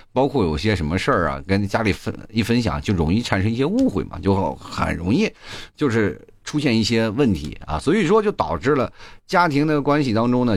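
A man's voice: on the low side, no room sound. A man in his thirties, the host of his own show, telling rambling comic stories and acting out the people in them. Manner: rambling storytelling, restarts, acts out quotes. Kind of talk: comedic rant monologue.

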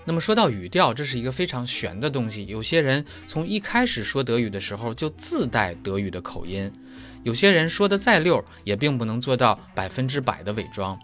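A man teaching German pronunciation in a methodical lesson, laying out each point step by step with homely analogies. His voice sits at a middle pitch but moves with a lively, wide-ranging melody. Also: fairly quick, faint music behind. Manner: explains step by step with everyday analogies. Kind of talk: explanatory lesson.

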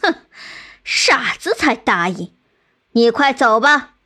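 A haughty old chieftain lord from a folk tale, drawing out his taunts slowly and with scorn, as a woman storyteller puts him on. The voice is somewhat high and husky. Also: sing-song, bright, forceful tone, heavily acted. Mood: impatient. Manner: scornful and drawn-out, turns begging. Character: proud, mocking old chieftain lord, later pleading.

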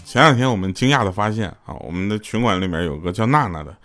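A man's voice: on the low side, animated, quick pace, over music. A man, casually telling jokes and funny stories to his audience, laughing often and acting out dialogue in raised voices. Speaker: livestream host telling jokes. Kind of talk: casual comic storytelling. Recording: loud background noise with clicks.

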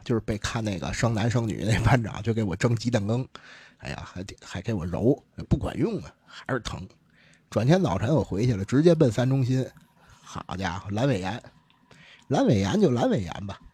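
A man's voice: mid-range voice, darkish tone, slightly rough, no room sound. A man telling a ghost story from his own life in casual, earthy, joking talk. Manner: earthy, humorous, swears casually. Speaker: radio guest storyteller.

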